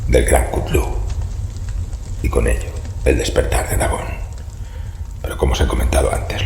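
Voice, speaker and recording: A very deep, gravelly old investigator. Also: male voice, a little mellow. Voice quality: very gravelly, breathy, half-whispered. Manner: grave, slow, ominous, formal. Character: secretive, fearful old male investigator of occult horrors. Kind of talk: dramatic audio drama acting. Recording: roomy echo with background noise.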